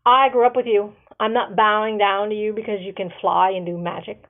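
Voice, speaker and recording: A woman's voice: medium pitch, fairly even intonation, fairly quick, close to an everyday voice. A woman voicing a brash, teasing companion in a fantasy story, with a blunt and mocking way of talking. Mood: defiant. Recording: narrow phone-like sound.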